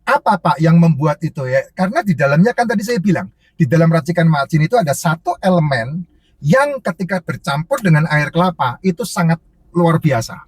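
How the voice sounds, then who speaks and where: A man's voice: fairly high pitch, big pitch swings, brisk, slightly rough, no echo. A man who sells herbal drinks, answering viewer questions in casual, emphatic, repetitive advice that lists point after point.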